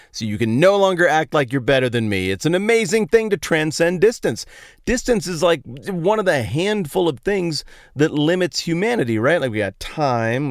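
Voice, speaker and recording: A man's voice: medium pitch, clear, resonant tone, no room sound, clean studio sound. An American man hosting a podcast, telling stories in a casual, colloquial way with playful emphasis, recorded inside a parked truck. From Colorado, United States. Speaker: podcast host. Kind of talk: casual conversational Bible talk, storytelling monologue.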